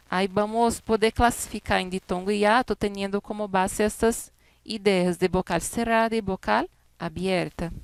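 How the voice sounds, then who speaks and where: A woman gives a recorded Spanish lesson, working patiently through example words one by one. Her voice is smooth and clear, and the recording is dry and close, with no room sound around it. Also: medium pitch, no room sound. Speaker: Spanish teacher. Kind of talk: recorded class explanation.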